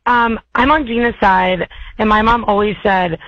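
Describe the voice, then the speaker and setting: A woman with a low, raspy voice leaving a blunt, rambling, profane voicemail for a radio show. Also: fairly even intonation, moderate pace, a little hiss or hum. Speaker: voicemail caller. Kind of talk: phoned-in voicemail rant. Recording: dull lo-fi voicemail audio.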